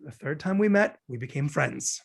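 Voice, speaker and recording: A man's voice: fairly high pitch, animated, normal speed, creaky, husky, heavily acted. A man reading the part of a wry, neurotic man in love in a romantic comedy script. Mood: fond, reminiscing. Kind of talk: script table read. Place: virtual call from home.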